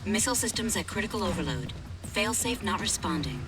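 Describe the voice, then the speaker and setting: A performer voicing an automated missile warning system that announces overheating and coming failure in flat, clipped alarms. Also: medium pitch, fairly quick, lightly acted. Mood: alarmed. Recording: distant voice under loud game music.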